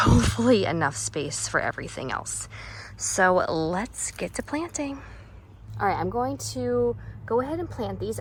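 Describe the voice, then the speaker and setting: Woman, casual gardening vlogger, bright and chatty, outdoors on a phone mic, winded from the work. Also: mid-range voice, low-quality recording. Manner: chatty, walking and showing plants. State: out of breath. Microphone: phone camera.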